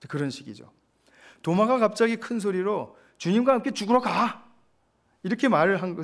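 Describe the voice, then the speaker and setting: A man preaching a sermon, explaining scripture with pauses, fillers and acted-out quotes. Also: fairly high pitch. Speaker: pastor.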